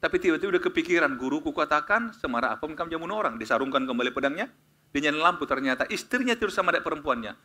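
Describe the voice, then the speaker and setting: A man preaching a sermon to a congregation, telling a story with animated voices for its characters and asking the listeners questions. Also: a little high, racing. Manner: animated, acts out story characters with sudden loud outbursts; addresses congregation directly, asks questions. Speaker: pastor.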